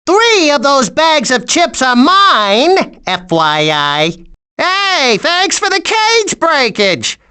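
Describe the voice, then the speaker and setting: A brash hustler bird from a video game. The voice is bright and piercing, leaping around in pitch. It wisecracks with bossy sarcasm. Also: female voice, sing-song, takes it slowly, heavily acted. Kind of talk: video game character voice acting.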